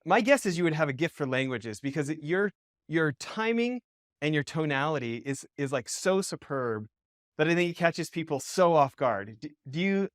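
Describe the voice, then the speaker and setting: A man's voice: a little high, expressive, moderate pace, no room sound, clean studio sound. A man from Western Canada hosting an interview, asking rambling questions full of restarts and fillers. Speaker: podcast host. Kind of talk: casual interview.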